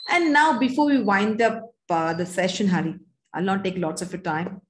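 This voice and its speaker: A woman's voice: mid-range voice, normal speed. A middle-aged woman with an Indian accent hosting a conversational live talk show, speaking earnestly and emphatically, straight to viewers. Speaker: talk show host and communication coach. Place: indoors on a video call.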